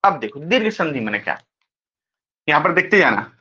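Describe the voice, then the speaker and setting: A teacher giving an exam-prep grammar lecture, talking slowly and repeating points, often pausing to ask the class quick check questions. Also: mid-range voice, very animated, bright, forceful tone, breathy edge, lo-fi sound. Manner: slow, repetitive, keeps checking with rhetorical questions.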